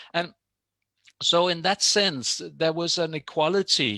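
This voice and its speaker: In a Danish accent, a man with a fairly high pitch and a bright, sharp tone speaks at a very slow pace. The sound is dry and close with no echo, on a very clean recording with a silent background. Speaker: university lecturer. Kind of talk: academic discussion. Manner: halting.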